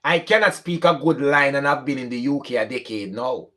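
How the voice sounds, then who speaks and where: A man's voice: medium pitch, expressive, fairly quick, bright, forceful tone. A young man from Jamaica with a strong Jamaican accent, chatting casually to his channel and slipping between standard English and patois. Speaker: channel host. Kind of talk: casual vlog monologue.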